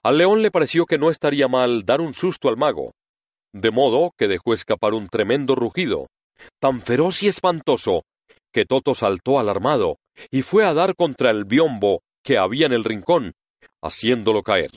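A male audiobook narrator reading a story expressively, his pitch rising and falling widely. He sits close to the mic, in a dry, dead recording with no room sound. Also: lively intonation, normal speed, no room sound.

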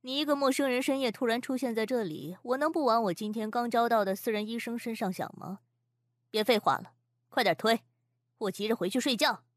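A woman's voice: fairly high pitch, fairly quick, dry recording, studio quality, lightly acted. A woman playing a bad-tempered, domineering young rich woman in a wheelchair, in an audiobook drama. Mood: scornful. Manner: domineering, scornful, commanding.

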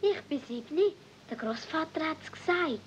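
Little Swiss German mountain girl, very high voice, blunt and artless, muffled radio play tape. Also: expressive, normal speed, a little hiss or hum. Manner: plain, blunt. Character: artless seven-year-old mountain girl. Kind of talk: 1970s radio play acting. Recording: dull old cassette transfer.

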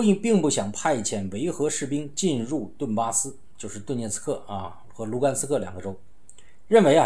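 A man's voice: medium pitch, a little mellow. A middle-aged man giving informal political commentary in a wry, conversational manner, with rhetorical questions and sighs. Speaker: host of a political commentary show. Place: small indoor room, seated.

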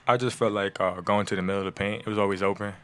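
Quick, low-voiced young man, laid-back. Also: clean tone. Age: young adult. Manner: laid-back, relaxed, repeats "I mean". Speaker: college basketball player. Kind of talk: postgame press conference answers. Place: press room, seated at table. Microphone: table mic on stand.

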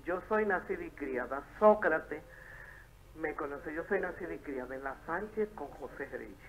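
A woman calling in to a talk show by phone, telling a rambling eyewitness account that gets loud at times. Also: sits low, animated, moderate pace. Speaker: caller. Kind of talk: phone-in call. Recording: muffled phone-line call.

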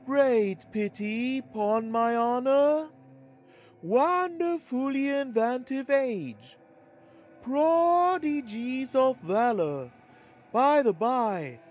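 Woman playing a slow, drawling society gentleman. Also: fairly high pitch. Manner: drawling out syllables, affected. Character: languid gentleman friend, affected society drawler. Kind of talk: scripted comic period story acting.

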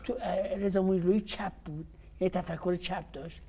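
Mellow-voiced male interview host. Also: sits high, steady tone, slight background noise. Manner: prompts with short questions and remarks. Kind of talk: casual interview.

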